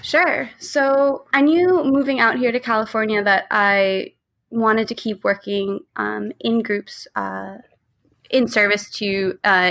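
Casually storytelling as an interview guest, this woman from Long Island is in her 30s and speaks with an American accent, Spanish being her first language. Her voice is medium-pitched and gravelly. It also carries a bit of brightness.

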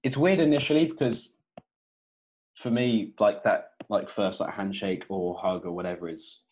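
A man's voice: lowish voice, normal speed, darkish tone, rough recording. A young man co-hosting a podcast over a video call, talking in a laid-back, rambling way with many fillers. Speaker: podcast co-host.

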